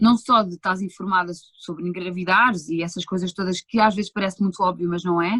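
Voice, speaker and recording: A woman talks at a very fast pace with hardly any pauses, her medium-pitched voice keeping a fairly even intonation in a dry, close sound with no echo. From Portugal, Lisbon. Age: 20s. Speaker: musical theatre performer. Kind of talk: interview.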